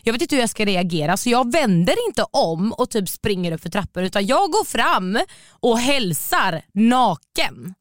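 A young adult woman telling a story in casual chat, animated and slangy, laughing as she goes. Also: medium pitch, few pauses, dry recording, clean studio sound.

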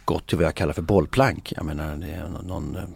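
Deep gravelly man musing hesitantly. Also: steady tone, a little mellow, no room sound. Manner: hesitant, many filler sounds; musing, philosophical. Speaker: interview guest. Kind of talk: reflective conversation.

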